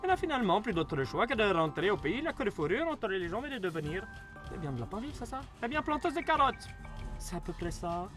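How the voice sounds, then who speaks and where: A man's voice: high voice, very animated, quick pace, over music. A man voicing a sly, mocking fox street hustler in a cartoon dub, smug and theatrical, with an Italian accent.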